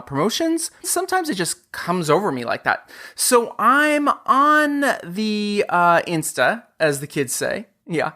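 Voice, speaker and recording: A man hosting a podcast, joking playfully and talking in an animated, upbeat way. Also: on the high side. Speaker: podcast host.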